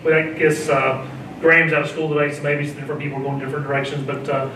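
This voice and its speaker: A man, a county extension agent, giving halting informal remarks at a county meeting with many fillers and restarts. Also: fairly high pitch, level tone. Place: county commissioners courtroom. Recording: echoey room, distant mic, noisy.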